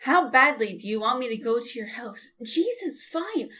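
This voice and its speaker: A somewhat high female voice in an audio drama, acted by a woman. The character is a young woman who is bossy and exasperated, with a scolding, sarcastic way of talking. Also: big pitch swings, moderate pace, pushed and bright, full character voice.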